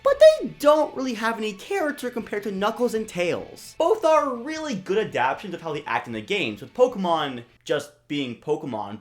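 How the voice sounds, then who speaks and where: A woman narrates a casual video commentary with a very lively, swooping delivery. She is sarcastic and self-deprecating, sometimes tripping over a word, and music plays behind her. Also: on the low side. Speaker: video essay host. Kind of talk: casual scripted commentary with joking asides.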